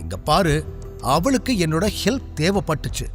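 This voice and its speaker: A man's voice: fairly high pitch, big pitch swings, normal speed, faint music behind. A man voicing an irritated young husband who answers firmly and sarcastically. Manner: firm, exasperated, sarcastic.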